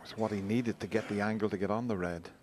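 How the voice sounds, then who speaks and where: Low-voiced man in hushed snooker commentary. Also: steady tone, fast. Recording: live venue noise and crowd behind voice.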